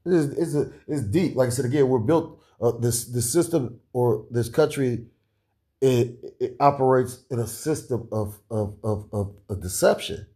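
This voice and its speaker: A man in casual podcast talk, rambling with many fillers and restarts and chuckling often, with a deep voice. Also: a little slow, warm tone. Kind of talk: casual conspiratorial chat.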